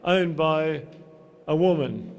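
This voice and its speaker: Brief: older Australian man preaching, slow and deliberate, a touch high, faint hiss behind. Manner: slow, measured storytelling in short phrases. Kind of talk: sermon delivered through an interpreter.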